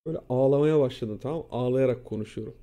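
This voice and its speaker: A young man casually telling a school story, animated and profane, acting out what people said. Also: mid-range voice, rapid-fire. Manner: animated, profane, acts out quotes. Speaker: streamer.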